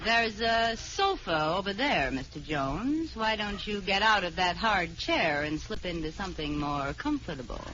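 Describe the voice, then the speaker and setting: A woman's voice: medium pitch, very animated, a little slow, few pauses, muffled recording, voice pushed down. A woman playing a drawling sultry vamp. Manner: drawling, suggestive. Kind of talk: 1940s radio comedy acting. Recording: hissy old radio broadcast.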